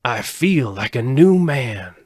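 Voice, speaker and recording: A man voicing a friendly, earnest, brainless straw scarecrow from a storybook, with a husky voice and emphatic, swooping delivery. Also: mid-range voice, big pitch swings, slow pace, a little mellow, dry recording, studio quality, voice pushed up, full character voice. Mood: friendly, eager. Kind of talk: storybook character voice.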